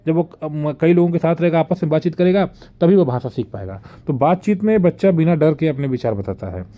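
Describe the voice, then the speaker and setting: A man's voice: on the high side, expressive, fairly quick, warm tone. A young man giving an online lecture on language teaching, explaining step by step with frequent check-in fillers. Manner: explanatory, frequent "dekhiye" and "theek hai" fillers.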